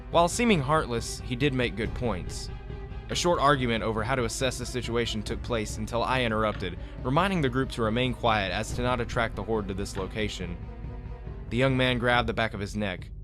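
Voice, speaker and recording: A man reading a scripted first-person story in a measured, dramatic storytelling manner. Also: mid-range voice, a bit bright. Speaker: amateur writer and narrator. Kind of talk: scripted story narration, then casual chat. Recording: music behind the voice. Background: background music.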